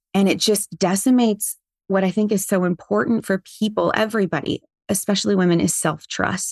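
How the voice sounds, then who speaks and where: A woman with an ordinary speaking voice talks at a fairly quick pace in a medium pitch. Her intonation is fairly even, her loudness very even, and the sound dry and close with no echo. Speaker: online creator and author. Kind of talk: casual interview conversation.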